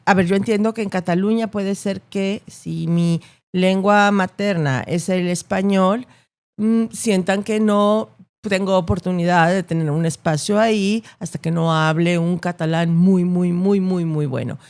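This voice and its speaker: A woman's voice: on the low side, steady tone, a little slow, darkish tone, smooth. A woman with a Latin American Spanish accent, explaining her opinions in an interview in an articulate, emphatic way, repeating words to drive points home. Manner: articulate, emphatic, builds points with repetition and rhetorical tags. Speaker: interview guest, journalist.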